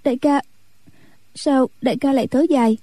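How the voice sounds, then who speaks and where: A woman voicing a timid, tender young nun in a storybook reading, in a soft, anxious, pleading way. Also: high voice, steady tone, moderate pace, no echo, pitched above the performer's own voice.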